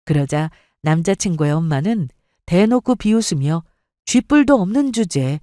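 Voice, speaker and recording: A woman reads a dramatic first-person story aloud with expressive storytelling. Her intonation is animated and moves a lot. The recording is dry and close, with no room sound. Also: fairly low pitch, moderate pace, no room sound. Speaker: story reader.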